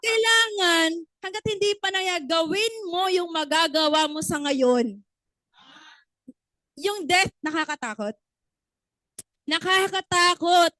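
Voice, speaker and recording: Woman, business trainer, very high voice, dry close sound, motivational talk, asks the audience questions. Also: pushed and bright, no room sound, poor audio. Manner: asks the audience questions, acts out little stories.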